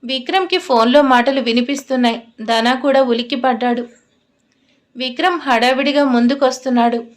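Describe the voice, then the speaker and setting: Woman narrator, high voice, scripted audiobook reading, characters read in her own voice. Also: normal speed.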